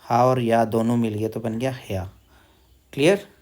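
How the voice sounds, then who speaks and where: In a slow recitation lesson, a man with a steady, medium-pitched, somewhat mellow voice works on pronunciation. He draws out and repeats syllables as he asks questions, chanting the verses at an unhurried, drawn-out pace.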